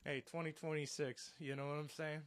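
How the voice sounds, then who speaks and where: A man spins a story in loose, casual podcast chat, swearing freely and throwing himself into each quoted line. His voice sits a bit high for a man. The sound is close and dry, with no room echo. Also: a little fast. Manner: animated, profane storyteller who acts out quotes. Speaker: podcast co-host.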